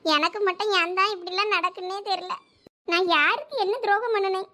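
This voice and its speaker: A woman's voice: very high voice, fairly quick, sharp tone. A woman with a Thoothukudi Tamil accent acting in a village comedy sketch, giving sulky, curt answers. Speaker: comedy skit actor.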